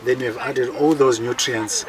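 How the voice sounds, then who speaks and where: A man's voice: mid-range voice, steady tone, normal speed. Man presenting food products to a crowd. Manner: explanatory, lists nutrients. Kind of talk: product demonstration talk. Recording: distant mic outdoors with a crowd around.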